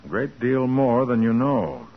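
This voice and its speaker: An actor playing a confident, shrewd private detective, assured and persuasive, in a 1940s radio crime drama. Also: male voice, mid-range voice, very animated, a little slow. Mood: curious, composed. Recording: dull 1940s radio recording.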